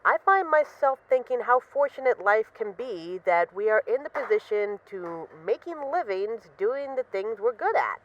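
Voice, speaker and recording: A woman's voice: on the high side, animated, moderate pace, hardly any pauses, muffled recording, natural voice. A woman playing a self-assured, bored mafia boss in an intimate voice-message roleplay, wry, boastful and affectionately teasing her partner. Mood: playful boasting. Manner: wry, boastful, teasing, mock-indignant, swearing casually.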